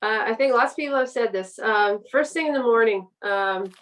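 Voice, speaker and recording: A woman's voice: a little high, moderate pace, fairly bright tone. A woman with a Canadian accent speaking casually as a guest writer, hesitant and searching for her words. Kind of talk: casual literary interview.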